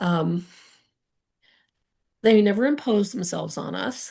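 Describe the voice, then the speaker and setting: Fairly slow speech from a woman, medium in pitch, with vocal fry and ordinary pitch variation. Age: 70s. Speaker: spiritual medium and workshop speaker. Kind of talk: talk to an audience.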